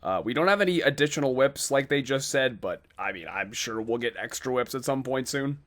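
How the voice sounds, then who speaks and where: A man's voice: mid-range voice, expressive, a little fast, fairly bright tone. Young Midwestern guy, gaming chatter. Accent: Midwestern American. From North Dakota, USA. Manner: rambling, upbeat, laughs easily. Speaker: gaming video host. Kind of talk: casual gameplay chat and commentary.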